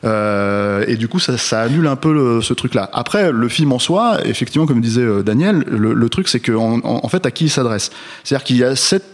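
Male panel critic, average pitch, halting and thoughtful, lots of "euh". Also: animated. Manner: hesitant, many fillers and restarts, building arguments slowly. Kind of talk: casual film discussion.

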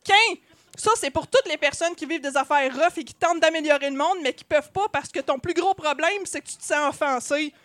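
A woman with a Québécois accent voicing a small, feisty male companion who is loud and indignant. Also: sits high, brisk, hardly any pauses, no room sound. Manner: indignant, punchy.

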